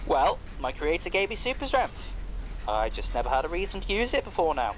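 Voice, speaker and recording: A man's voice: fairly high pitch, very animated, a little fast, a little hiss or hum. A man playing a literal-minded, emotionless mechanical man, stiff and formal, in an audio drama. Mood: matter-of-fact. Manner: stiff, formal, uncontracted phrasing.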